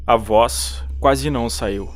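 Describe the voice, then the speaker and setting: A man narrating a literary horror audiobook in measured, formal diction. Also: mid-range voice.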